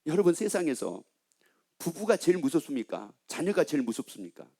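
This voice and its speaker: A middle-aged man preaching a sermon in a fairly high voice that leaps up and down. He quizzes the congregation and answers his own questions. He slips into the voice of a scolding father. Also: brisk, slightly rough. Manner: animated, acts out a scolding father's lines; asks the congregation questions and answers them himself. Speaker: pastor.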